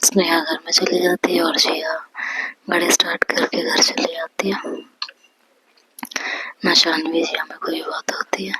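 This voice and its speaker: A woman narrating a romance story as whispered role-play, in soft, steady narration. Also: on the low side, unhurried, pauses often, slight background noise, low-quality recording.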